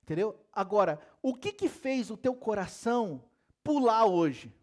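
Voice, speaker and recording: A man's voice: sits high, expressive, a little slow. A man preaching a sermon in a church, asking the congregation many questions and joking and laughing as he goes. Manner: talks straight to the congregation with many rhetorical questions; laughs and jokes while preaching. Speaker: pastor. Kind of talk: lively sermon.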